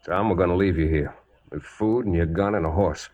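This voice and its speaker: An actor playing a firm, principled cowhand in a western radio drama, calm and resolute in manner. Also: male voice, deep voice, a little fast, dull audio. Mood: resolute, regretful. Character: firm, principled younger cowhand defying his boss. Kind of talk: 1940s-50s western radio drama acting. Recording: faintly noisy vintage radio recording.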